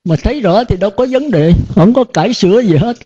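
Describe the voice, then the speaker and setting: Older monk giving a folksy sermon. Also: male voice, high voice, animated, fairly quick, warm tone, slightly rough. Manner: folksy, rhetorical questions, chuckles often. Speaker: Buddhist monk teacher. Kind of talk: dharma talk to disciples. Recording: dull lo-fi recording.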